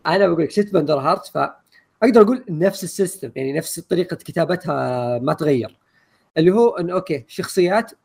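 A man co-hosting a casual podcast chat, rambling quickly through his opinions with many fillers. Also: fairly high pitch, expressive, vocal fry, a little mellow, breathy edge. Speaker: podcast co-host.

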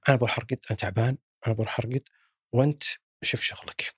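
A man's voice: medium pitch, fairly even intonation, rapid-fire, slightly rough, no room sound. Tired boss guy, saudi accent, dry close sound, man doing it. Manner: weary and matter-of-fact.

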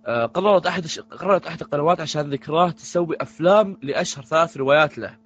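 A man's voice: a little high, rapid-fire, muffled recording. A man co-hosting a casual podcast, rambling and restarting his sentences often. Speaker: podcast co-host.

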